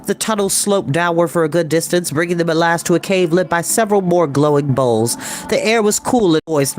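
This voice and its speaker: A woman narrating a children's story expressively, as a storytime reader. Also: deep voice. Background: music.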